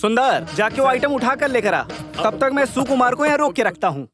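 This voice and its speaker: An actor playing a sarcastic, confident police officer in a Hindi film dub. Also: male voice, very high-pitched, animated, fairly quick, a bit bright, soft background music. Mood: mocking. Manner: mocking and confident. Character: cocky sarcastic male police officer, young adult.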